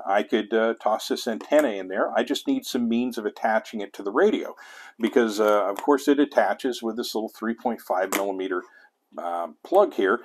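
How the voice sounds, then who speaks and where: Low-pitched American man, casual demonstrator. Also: slightly rough. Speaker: host of an amateur radio tutorial series. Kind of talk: casual hands-on demonstration talk.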